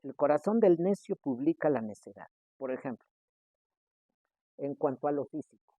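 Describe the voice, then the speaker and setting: A man's voice: fairly high pitch, expressive, moderate pace, husky, no room sound, phone-quality sound. A male pastor, preaching a sermon in a conversational way, with frequent hesitations and mock rhetorical questions. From Mexico.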